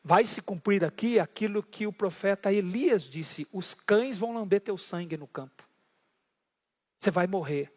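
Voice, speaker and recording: A man acting out a bold ancient prophet inside a sermon, speaking slowly and solemnly with an ironic edge. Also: sits high, a little mellow. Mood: grave.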